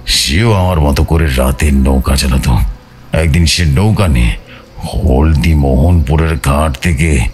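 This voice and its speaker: A man with a Bangladeshi accent narrating a ghost story dramatically, building suspense and repeating phrases for effect. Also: a bass voice. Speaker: horror storyteller. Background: music under the voice.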